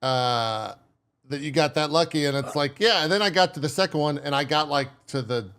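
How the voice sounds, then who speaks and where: A man co-hosting a casual gaming podcast, telling stories about his play in a measured way and poking fun at himself. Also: a little high, fairly bright tone, smooth. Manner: measured, storytelling with self-deprecating asides. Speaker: podcast co-host.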